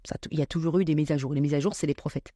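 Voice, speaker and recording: A woman speaking as a podcast guest, reflecting on spiritual matters with many pauses and fillers. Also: low voice, steady tone, warm tone, no room sound, studio quality.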